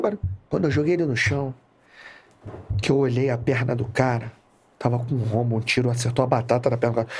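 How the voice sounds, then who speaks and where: A male police inspector from Rio casually telling a work story, animated and acting out the shouts he quotes. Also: high-pitched.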